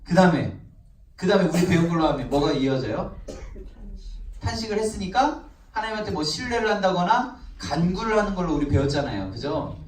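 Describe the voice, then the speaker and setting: A man's voice: high voice, animated, brisk, a little hiss or hum. A man, a pastor, teaching a Bible study class to people in the room, asking them questions and answering them himself. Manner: acts out prayers in an emphatic voice. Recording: echoey room, mic at a distance.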